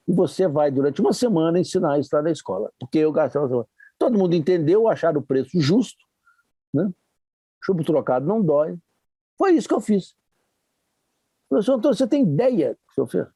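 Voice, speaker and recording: An older man with a Brazilian Portuguese accent telling a story in an online workshop, acting out the dialogue in a lively way. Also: on the high side, breathy edge, no room sound. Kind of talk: storytelling talk. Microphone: online workshop mic.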